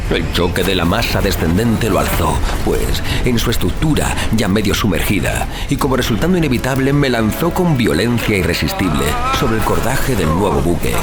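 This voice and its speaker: A man reading a horror tale as a dramatic audiobook narration, in a solemn, literary and theatrical delivery. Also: low-pitched. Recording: music under the voice. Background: music.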